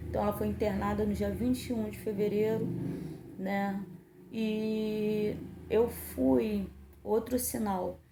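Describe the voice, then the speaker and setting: A woman's voice: medium pitch, gravelly, mellow. A middle-aged woman pastor giving a personal testimony, telling the story with emotion and acting out the dialogue. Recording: roomy echo.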